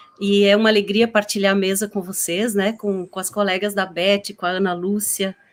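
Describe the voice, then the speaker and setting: In a monotone, flat intonation, a woman talks at a medium pitch. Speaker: academic researcher. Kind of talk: conference talk. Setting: online live panel.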